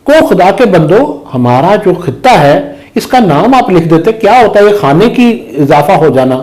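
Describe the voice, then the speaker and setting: Pahari-speaking male commentator, pitched a bit high, emphatic and argumentative. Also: very animated, moderate pace, a little mellow, poor audio. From Azad Kashmir. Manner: emphatic, rhetorical questions. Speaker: guest commentator. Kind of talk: political discussion.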